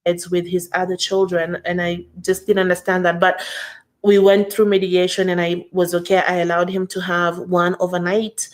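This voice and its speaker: A woman with a lowish, flat voice recounts her situation to the camera. She speaks in a steady, explanatory way, as a mother telling her side of things. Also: normal speed. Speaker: mother in a played video clip. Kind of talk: personal account told to camera.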